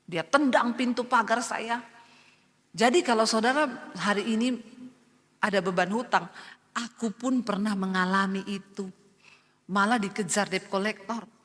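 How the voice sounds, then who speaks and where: A woman's voice: medium pitch, steady tone, measured pace, pauses often, a bit bright. Woman pastor preaching in an echoing hall. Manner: earnest, emotional storytelling addressing the congregation. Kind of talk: testimony sermon. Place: church. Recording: long church hall reverb.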